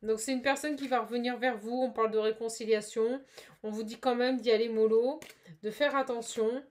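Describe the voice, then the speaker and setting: A woman with a somewhat high voice talks through a spiritual card reading. She pauses often with fillers and restarts her sentences, keeping an encouraging, chatty tone throughout. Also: fairly even intonation, darkish tone. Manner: hesitant, many fillers and restarts. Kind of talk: casual card-reading guidance.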